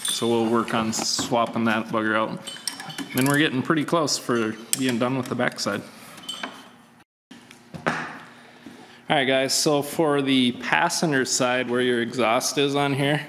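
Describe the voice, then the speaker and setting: A man's voice: medium pitch, fairly bright tone, in a large hall, a little hiss or hum. A man hosting a casual DIY how-to walkthrough, laid-back and plain-spoken, explaining each step with frequent fillers. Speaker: channel host.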